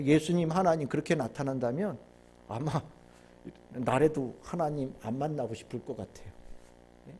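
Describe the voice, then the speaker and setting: High-voiced Korean pastor preaching. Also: male voice. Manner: animated storytelling, acts out little scenes and quotes. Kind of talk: sermon. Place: church sanctuary.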